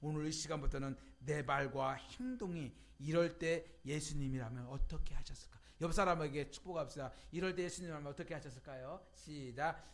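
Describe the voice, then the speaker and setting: Fairly high male speech, its pitch moving in an ordinary way, with audible echo from the room. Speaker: pastor. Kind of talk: sermon. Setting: church. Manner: fast.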